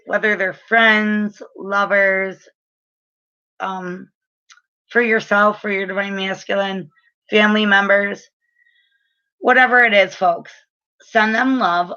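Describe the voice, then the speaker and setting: Bright-voiced woman in her late thirties. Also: medium pitch, muffled recording. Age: late 30s. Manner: chatty, filler-heavy, earnest and frank. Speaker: spiritual reader and energy healer. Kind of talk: casual spiritual advice talk to camera.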